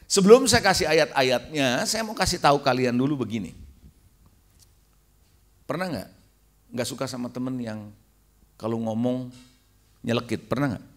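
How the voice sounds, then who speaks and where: A middle-aged male pastor giving a lively youth sermon, quizzing the crowd with questions and acting out quoted replies. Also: normal speed, long pauses. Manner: acts out quoted replies in a higher voice.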